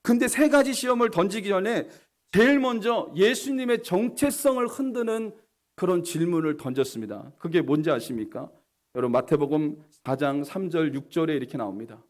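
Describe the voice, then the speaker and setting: Male pastor, sermon, high voice, repeats phrases, addresses congregation. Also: lively intonation, fairly quick. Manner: repetitive, keeps addressing the congregation.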